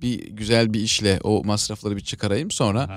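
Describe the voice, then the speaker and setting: Recorded dry with no echo and a quiet background, a man is speaking. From Turkey, Kayseri; Turkey. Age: 30s. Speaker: comedian; podcast guest. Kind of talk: casual chat. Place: studio. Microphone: studio mic.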